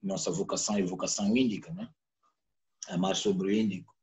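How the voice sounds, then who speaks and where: A poet and sociologist from Mozambique speaks with a Mozambican Portuguese accent as a guest in a reflective, lecture-like live online talk from home, using a computer or phone mic on a video call. He pauses often to find words, repeating them as he thinks. His voice sits low and sounds a little mellow.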